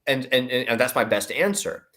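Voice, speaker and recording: Guy doing market analysis, average pitch, emphatic and deliberate, repeats himself while building a point. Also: lively intonation, pushed and bright. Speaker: investment analyst, guest commentator. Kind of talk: conversational financial commentary.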